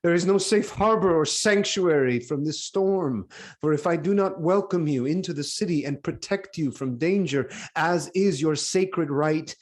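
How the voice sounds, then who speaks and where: An actor playing a troubled, grave king in a live reading of Greek tragedy, with weighty, deliberate delivery. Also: on the high side, natural voice. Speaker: actor giving a dramatic reading. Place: online video call.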